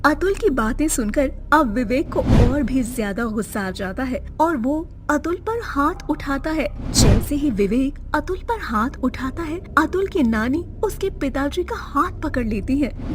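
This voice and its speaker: A woman narrating a cartoon moral story in a steady storytelling manner. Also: high voice. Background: background music.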